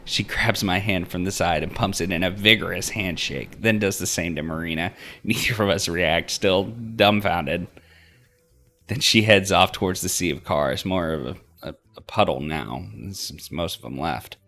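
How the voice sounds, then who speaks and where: Very low-voiced man reading game narration. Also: normal speed, pushed and bright. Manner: stumbles over words and repeats lines. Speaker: let's play host reading a visual novel aloud.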